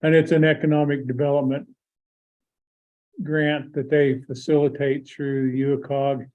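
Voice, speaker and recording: A hoarse man chairing a county board meeting, explaining an agenda item haltingly with many filler pauses. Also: medium pitch, flat delivery. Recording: tinny phone-like audio.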